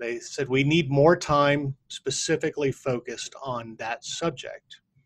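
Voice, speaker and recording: Ordinary pitch variation in a man's somewhat breathy voice. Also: dry, close sound with no echo. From Texas. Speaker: missions organization president. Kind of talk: interview.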